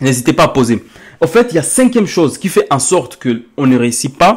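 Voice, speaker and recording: In an animated tone, a man with a fairly high pitch speaks with very wide pitch swings. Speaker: motivational speaker. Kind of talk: livestream motivational talk. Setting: live stream.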